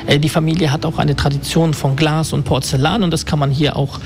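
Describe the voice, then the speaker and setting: Slightly high-voiced male resort manager. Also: level tone, brisk, slight background noise. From Germany. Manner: fluent, explanatory, occasional hesitations. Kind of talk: interview answers. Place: holiday resort in Turkey.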